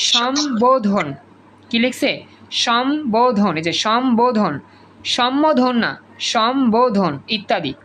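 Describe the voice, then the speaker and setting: A man with a Bangladeshi Bengali accent teaching an online class over a video call. He repeats words slowly to drill pronunciation and calls on students by name. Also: extremely high pitch, a bit bright, slight background noise. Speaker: tutor.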